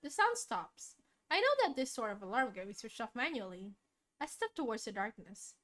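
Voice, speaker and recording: A woman's voice: a little high, sing-song, moderate pace, a bit bright. A woman streamer reading a visual novel aloud, mixing dramatic narration with casual, chatty reactions. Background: game music.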